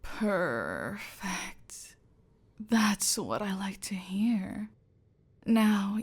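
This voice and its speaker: A domineering female cartel boss, played by a woman in an ASMR roleplay, who delivers her threats in a soft, close whisper. Her voice is gravelly with vocal fry. She speaks slowly, dragging out every word to keep the listener under her control. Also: medium pitch. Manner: slow, deliberate, menacing, controlling.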